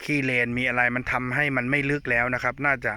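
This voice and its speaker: This man's voice sits at a medium pitch. His delivery is flat and monotone. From Sisaket, northeastern Thailand (Isan). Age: 40s. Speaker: travel vlogger. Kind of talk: vlog narration.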